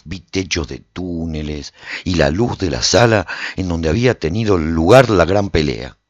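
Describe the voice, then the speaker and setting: An actor playing a weary swordsman who narrates his post-apocalyptic adventure in a radio drama, husky and theatrical. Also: low-pitched, expressive, a little slow, dry recording, muffled recording. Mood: intense, urgent. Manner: intense, theatrical. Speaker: narrator and protagonist.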